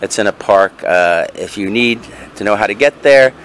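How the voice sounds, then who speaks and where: A man's voice: fairly low pitch, moderate pace, fairly bright tone, a little hiss or hum. Rambling man showing off his flea market finds. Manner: rambling, self-deprecating, frequent fillers. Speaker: reseller vlogger. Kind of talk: casual show-and-tell. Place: outdoor patio, then in a car.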